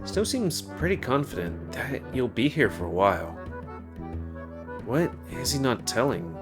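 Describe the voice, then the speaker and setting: A man's voice: mid-range voice, very animated, a little slow. A man casually reading a game's text aloud and adding joking asides. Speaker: gamer. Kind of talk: let's play, reading game text aloud. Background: game music.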